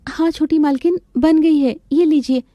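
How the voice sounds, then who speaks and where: A woman's voice: sits high, fairly even intonation, moderate pace, mellow, dry recording, lo-fi sound, voice pushed up, close to an everyday voice. A woman voicing a timid young maid in a cartoon, meek and pleading.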